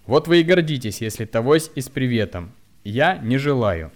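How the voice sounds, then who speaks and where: A man's voice: mid-range voice, sing-song, normal speed, pitched above the performer's own voice. A man voicing a short, hunchbacked man who barks threats and commands. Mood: angry barking. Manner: gruff, barking commands.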